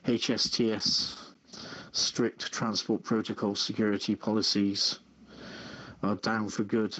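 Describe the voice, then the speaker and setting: A man with a fairly low voice hosts a live radio show. He speaks very slowly and haltingly, often tripping over his words as he reads. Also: fairly bright tone, slightly rough, dull audio. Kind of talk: reading news copy and hosting a live online radio show.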